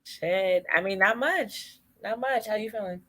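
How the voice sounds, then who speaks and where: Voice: mid-range voice, unhurried, pushed and bright. A laid-back podcast host opening the show and chatting casually, laughing easily. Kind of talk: casual chat.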